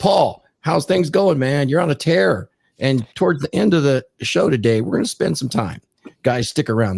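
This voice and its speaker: This man's medium-pitched voice has vocal fry. He moves at a moderate pace with very wide pitch swings. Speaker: podcast panel host. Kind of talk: casual panel discussion.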